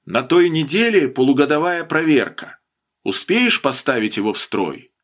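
A man reading a brisk kennel chief. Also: on the high side, big pitch swings.

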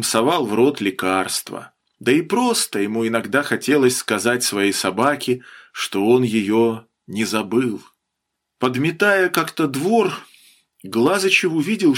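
Male audiobook narrator, measured, expressive pitch. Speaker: audiobook reader. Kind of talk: scripted narration.

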